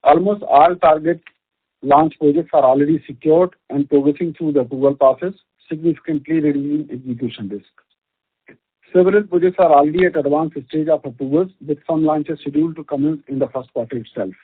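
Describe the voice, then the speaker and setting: A man with an Indian accent reads a scripted corporate earnings presentation as a company executive, formal and measured, over a conference call line. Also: a little high, breathy edge. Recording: muffled band-limited conference call audio.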